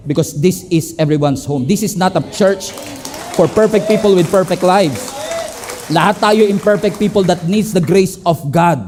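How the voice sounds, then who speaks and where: A male pastor with a Filipino accent preaches a lively sermon in a fairly high voice at a moderate pace, switching freely between English and Tagalog. He acts out the characters in his story as he goes. There's a little hiss or hum on the recording.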